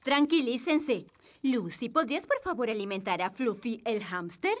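A woman with a Latin American accent voicing a gentle, orderly schoolteacher in a children's cartoon, coaxing her class. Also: a little high, normal speed, background noise, close to an everyday voice. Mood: gently instructing.

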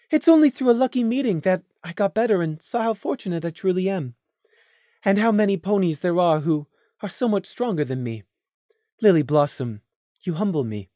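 A woman voicing a gentle, humble female unicorn in an audio story, calm and patient with a smooth, musical tone. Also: mid-range voice, dry recording, studio quality, lightly acted.

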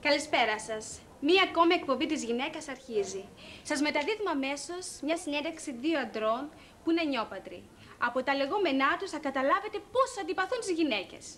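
A woman's voice: high voice, expressive, a bit bright, slight background noise, pitched above the performer's own voice. A woman playing a formal TV presenter in a comic sketch, speaking in an announcer manner.

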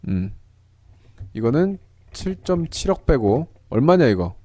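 Chatty male game streamer, lively pitch. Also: a little slow, dry recording. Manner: chatty, talks to viewers while trading. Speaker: streamer playing an online game. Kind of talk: casual live-stream game commentary.

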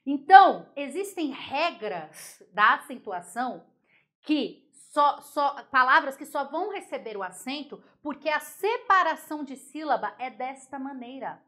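Bright, high-voiced Brazilian teacher woman. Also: measured pace. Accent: Brazilian Portuguese. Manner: lively, explains step by step, asks the class if they follow. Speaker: Portuguese teacher. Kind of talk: online grammar lesson.

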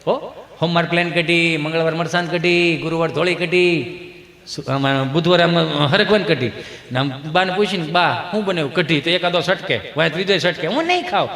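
A man performing live comic storytelling on stage, animated and slipping into squeaky voices for the people in his jokes. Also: moderate pace. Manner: animated, acts out quoted voices with high falsetto squeals. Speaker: stand-up comedian. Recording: echoey hall with faint crowd ambience.

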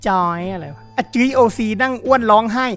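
A man commenting on a role-play game, reading chat messages aloud, excitable and often laughing. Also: very high-pitched, a little fast, faint music behind. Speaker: gaming YouTuber.

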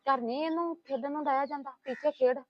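A woman's voice: sits high, steady tone, fast, lightly acted. A woman playing a talkative, complaining housewife in a family web drama. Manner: complaining, gossiping, soothing. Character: talkative scheming woman, middle-aged housewife. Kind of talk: web series acting. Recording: dull lo-fi sound.

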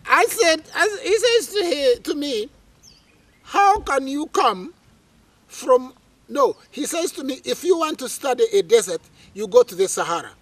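A middle-aged man from Uganda, a guest in an interview, telling his life story in a dramatic, animated way, with many fillers, recorded outdoors under a tree on a lapel mic. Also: very high-pitched, measured pace.

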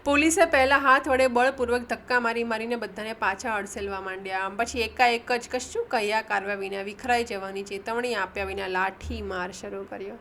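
A woman narrating an audiobook, lifting her voice for the characters' shouted lines and correcting her own slips as she goes. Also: fairly high pitch, steady tone, brisk, few pauses, slight background noise. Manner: reads dialogue with raised emphasis, corrects own slips. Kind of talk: audiobook reading.

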